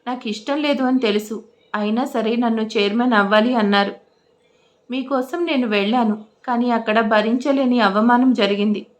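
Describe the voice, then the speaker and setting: A woman doing a bitter young man in an audio story, scolding tone, fairly high voice. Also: fairly even intonation, normal speed, lightly acted. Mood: resentful. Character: angry, resentful young man, a son.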